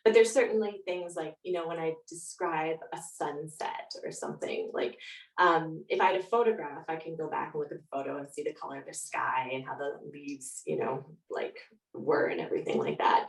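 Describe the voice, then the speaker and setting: Female guest author, reflective and thoughtful, slightly low voice, recorded distant in an echoey room. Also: creaky. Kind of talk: reflective interview answers and reading aloud. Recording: roomy echo, distant mic.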